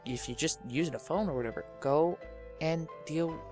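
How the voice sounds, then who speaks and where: A man's voice: fairly high pitch, moderate pace, over music. A man hosting a podcast, talking informally and directly to listeners in an earnest, emphatic, rambling way. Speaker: podcast and radio drama host.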